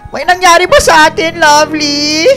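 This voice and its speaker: A man's voice: extremely high pitch, level tone. A man playing a flamboyant gay young best friend in a radio drama, with a campy, theatrical way of talking. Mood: hysterical panic. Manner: campy, dramatic, drawn-out shrieks and English interjections. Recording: music bed behind the voice.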